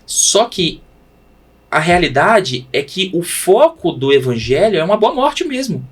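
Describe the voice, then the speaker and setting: A man, a pastor, talking in a podcast conversation with a preaching cadence that swings from loud emphasis to hushed tones. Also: high voice, sing-song, measured pace, husky.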